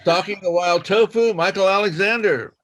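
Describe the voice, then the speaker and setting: A man's voice: high voice, moderate pace, fairly bright tone, a little hiss or hum. A man formally announcing a speaker as the announcer of a contest.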